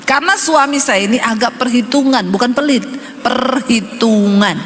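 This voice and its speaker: A woman's voice: a little high, normal speed, soft background music. A woman pastor preaching a sermon in an emphatic, conversational way, telling her testimony to the congregation. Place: church hall. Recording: reverberant church hall, faint noise.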